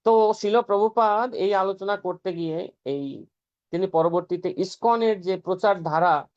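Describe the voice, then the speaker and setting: A man's voice: high voice, measured pace, darkish tone. A man giving an earnest devotional scripture talk, explaining step by step and chanting some passages aloud. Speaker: preacher. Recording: dull lo-fi recording.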